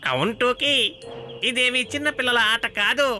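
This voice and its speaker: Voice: medium pitch, normal speed, sharp tone, a little hiss or hum. A performer voicing a boastful, daring child in a cartoon, with a cocky, teasing and dramatic delivery. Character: boastful, daring child who teases frightened friends. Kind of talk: cartoon character dialogue.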